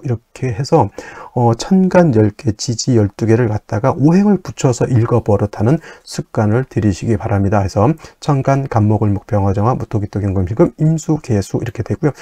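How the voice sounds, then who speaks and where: A man teaching an astrology lesson in a patient lecture style, repeating terms one by one and often pausing with fillers. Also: mid-range voice, dark tone, dry recording. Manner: patient, repetitive drilling with frequent fillers.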